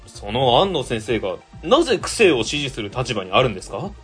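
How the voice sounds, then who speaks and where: A man's voice: medium pitch, very animated, a little fast, fairly bright tone, faint music behind. A man playing an earnest young office worker in a radio drama, with a questioning tone. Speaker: ward office staffer. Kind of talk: amateur web radio drama acting.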